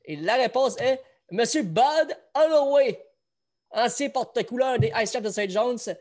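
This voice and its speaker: Chatty Quebec French host. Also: male voice, very high-pitched, animated, unhurried, a little mellow. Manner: chatty, runs a trivia quiz. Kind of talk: casual sports chat.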